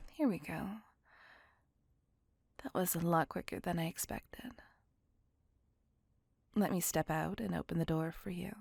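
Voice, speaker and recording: A woman's voice: mid-range voice, creaky, dry recording. Woman whispering as a devoted vampire lady. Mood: doting whisper. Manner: soft close whisper, apologetic and doting. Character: devoted, possessive female vampire on a date. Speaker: voice actor. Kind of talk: ASMR roleplay whispering.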